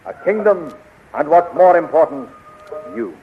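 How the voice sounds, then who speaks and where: Earnest gallant hero, muffled radio. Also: male voice, a little high, lively intonation, unhurried, soft background music. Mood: resolute, tender. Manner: earnest, resolute. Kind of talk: 1930s radio serial acting. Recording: muffled, noisy 1930s radio recording.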